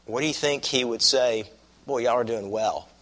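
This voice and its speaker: A man with a Southern US accent preaching an expository sermon as a pastor, croaky from a cold, in a folksy, deliberate manner that repeats phrases for emphasis. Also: mid-range voice, fairly bright tone. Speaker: pastor preaching to his congregation.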